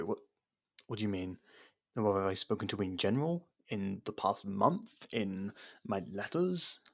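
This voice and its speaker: An actor playing a proud, defiant captured royal in an ASMR roleplay, speaking in a haughty, halting, dramatic way. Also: male voice, lowish voice, vocal fry, a bit bright, heavily acted. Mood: bewildered, exasperated.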